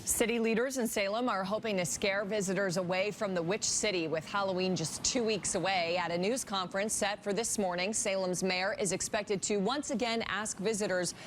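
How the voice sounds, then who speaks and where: A woman's voice: medium pitch, fairly even intonation, normal speed, few pauses. A woman with an American accent delivering news and traffic updates as a broadcast anchor.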